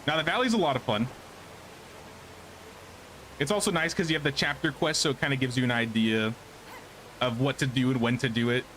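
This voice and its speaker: Man of medium pitch for a laid-back stream host who chats with viewers while he plays. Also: brisk, long pauses, fairly bright tone, a little hiss or hum, low-quality recording. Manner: thinks aloud, changes his mind, answers chat. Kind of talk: casual live gameplay commentary.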